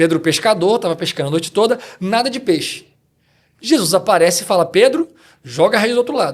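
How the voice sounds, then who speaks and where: Talking at a very fast pace, a man uses lively intonation and a high pitch. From Rio de Janeiro, Brazil. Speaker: hospital chaplain. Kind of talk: podcast interview. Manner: conversational, with hesitations.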